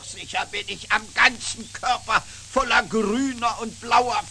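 An actor playing a grumpy, sly male fox in a children's puppet show, gruff and sarcastic, with theatrical groaning. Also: very high voice, a little slow, pushed and bright, a little hiss or hum, full character voice.

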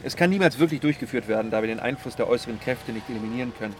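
Male actor as brisk, didactic physicist in a radio play, matter-of-fact, faint street and car noise. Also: mid-range voice, lightly acted. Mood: brisk, explaining. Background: traffic and vehicle sounds.

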